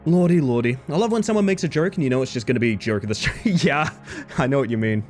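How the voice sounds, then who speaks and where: A man streaming a video game, slightly hoarse, talking to his chat in an animated, joking way. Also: mid-range voice, fast, faint music behind. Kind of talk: casual live-stream chat.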